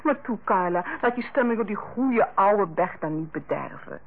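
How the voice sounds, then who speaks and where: An actress playing a cheerful, conciliatory household hostess with a reasoning manner, in old radio play style. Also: female voice, mid-range voice, expressive, moderate pace, lightly acted. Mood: soothing. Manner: soothing, reasoning. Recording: tinny, noisy old radio recording.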